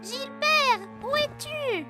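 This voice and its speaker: An actor voicing a sensitive, cheerful four-year-old boy in a children's cartoon, childlike and expressive. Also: very high voice, extremely slow, loud music behind the voice, full character voice. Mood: worried.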